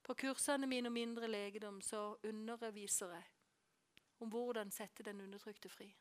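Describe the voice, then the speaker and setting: A woman preaching a sermon, telling a story with animation and dropping to hushed whispers for emphasis. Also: medium pitch, fairly even intonation. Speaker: preacher and course teacher.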